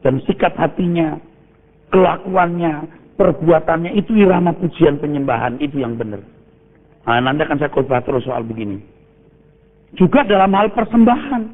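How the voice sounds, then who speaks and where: Middle-aged male preacher, animated and emphatic, mixes slang into the sermon; tinny, narrow sound with hall reverb. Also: normal speed, pauses often. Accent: Indonesian. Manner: emphatic, keeps asking the congregation "betul?"; lively swings in pitch and loudness. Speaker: pastor. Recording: phone-like audio in a reverberant hall.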